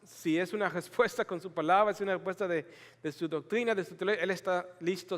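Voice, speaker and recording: High-voiced preacher in an echoing hall. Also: male voice. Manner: animated preaching with rhetorical questions, reading scripture aloud. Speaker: pastor. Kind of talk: sermon.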